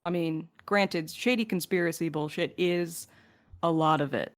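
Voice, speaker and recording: Low-voiced woman on a podcast Q&A. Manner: joking, casually sweary. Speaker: podcast host and crew member. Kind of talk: casual podcast Q&A, reading listener questions.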